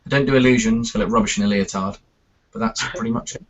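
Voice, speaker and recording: A man from Wales with an English accent, a guest on a casual video chat, relaxed and self-deprecating. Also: on the low side, fast. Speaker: guest magician. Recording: lo-fi web call audio.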